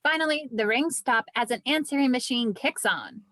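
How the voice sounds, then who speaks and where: Script narrator: female, slightly high register, reads scene descriptions, very dry recording. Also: animated, moderate pace, fairly bright tone, dry recording. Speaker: stage-direction narrator. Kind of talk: scripted narration at a table read.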